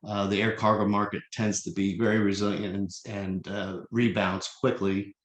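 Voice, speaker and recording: A man giving a slide presentation at a virtual public meeting as a consultant, speaking in a measured, explanatory but halting and hesitant way. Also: lowish voice, level tone. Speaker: consultant presenting an air cargo forecast. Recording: echoey, roomy voice pickup.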